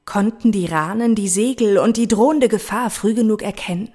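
A woman's voice: mid-range voice, normal speed, loud music behind the voice. A woman narrating a scripted history guide in a storytelling style.

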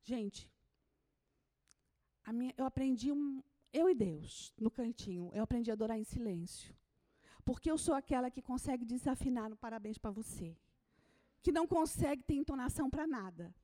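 Woman, high voice, preaching, shouts then hushes. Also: expressive, moderate pace. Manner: swings from shouted proclamations to hushed near-whispers. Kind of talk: sermon.

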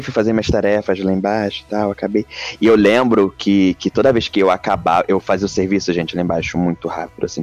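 Excitable Brazilian man telling a story. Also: lowish voice. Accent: Brazilian Portuguese. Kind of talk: casual chat, storytelling.

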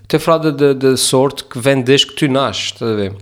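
A man in a casual chat, agreeable and quick to affirm. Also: medium pitch, a bit bright.

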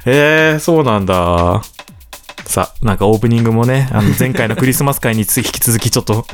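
A man's voice: mid-range voice, a little fast, faint music behind. A man from Hokkaido co-hosting a casual podcast chat, playful and laughing often. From Hokkaido, Japan. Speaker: podcast co-host.

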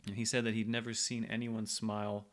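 A man's voice: lowish voice, monotone, fairly quick. A man co-hosting a casual podcast, talking thoughtfully with frequent fillers and restarts. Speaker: podcast co-host.

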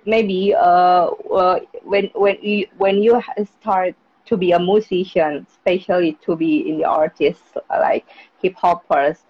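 A woman's voice: lowish voice, steady tone, unhurried, breathy edge. A woman from Indonesia hosting a live podcast, speaking hesitant English full of fillers, with Indonesian as her first language. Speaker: podcast host. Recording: dull lo-fi sound.

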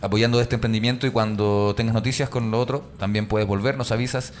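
A man's voice: fairly low pitch, steady tone, quick pace, a little hiss or hum. A man hosting a casual comedy radio show, chatting in a joking, teasing, rambling way. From Mexico. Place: online radio studio.

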